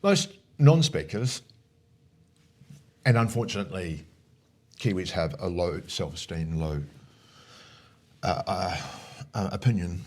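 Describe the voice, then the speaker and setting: A man's voice: sits low, animated, takes it slowly, pauses often, a little mellow. A man talking as a coach in a conversational interview, explaining his points emphatically and often punctuating them with short check questions. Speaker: speaker coach, interview guest.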